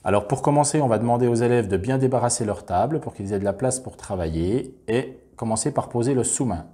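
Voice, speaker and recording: A man calmly explaining, step by step, how a classroom reading and spelling activity works. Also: mid-range voice, a little fast. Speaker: teacher explaining a reading method. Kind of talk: instructional demonstration.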